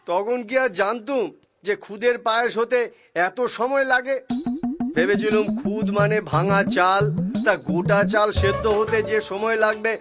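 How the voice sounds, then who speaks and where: High-pitched witty village jester. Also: male voice, steady tone, moderate pace, a bit bright. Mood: impatient, hungry. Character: witty village jester, sly, hungry husband. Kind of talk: cartoon voice acting. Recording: music under the voice.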